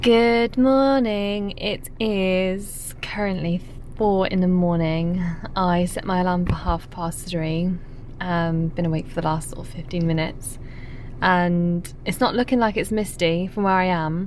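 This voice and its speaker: A woman at a fairly slow pace with ordinary pitch variation, in a dry sound with no echo and light background noise. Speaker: landscape photographer vlogger. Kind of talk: casual vlog chat. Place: car. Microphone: phone near.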